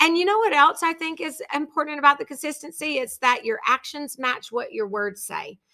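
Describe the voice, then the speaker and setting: A woman speaks in a raised, projected voice with an animated tone and a high pitch. Her pitch swings very widely, with hardly any pauses. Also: fairly quick pace. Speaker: podcast host and life coach. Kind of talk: casual chat. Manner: loud.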